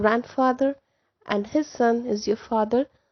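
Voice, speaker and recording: A woman speaks very slowly with a Tamil Indian accent. Her pitch is fairly high, with ordinary variation. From India, Chennai, Tamil Nadu. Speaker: school English teacher. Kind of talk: lesson, reading aloud and explaining a story.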